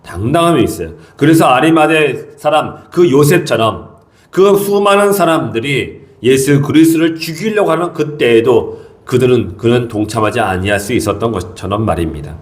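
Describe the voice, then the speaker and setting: A man's voice: medium pitch, expressive, moderate pace. A middle-aged male pastor preaching an early morning sermon, explaining scripture earnestly and repeating his key points for emphasis.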